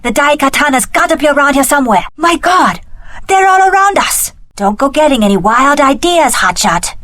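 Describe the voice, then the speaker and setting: An actress voicing a tough, sassy, pragmatic young action heroine in a video game, with a cocky, snappy delivery. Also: female voice, sits high, sing-song, normal speed, a bit bright, dry recording. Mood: wry, alert. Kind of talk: scripted video game voice acting.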